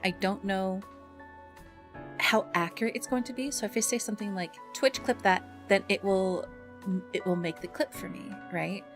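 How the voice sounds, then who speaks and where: A woman streamer talks casually to her viewers over background music. Her voice sits at an average pitch for a woman. She is expressive and bubbly, with an affectionate way of addressing people. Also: moderate pace. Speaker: live streamer and ASMR content creator. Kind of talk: casual livestream chat with viewers, greeting them and reading messages.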